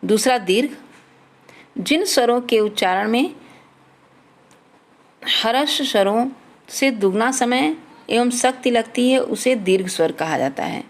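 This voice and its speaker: A woman teaching a children's grammar lesson, reading out letters and example words one at a time. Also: a little high.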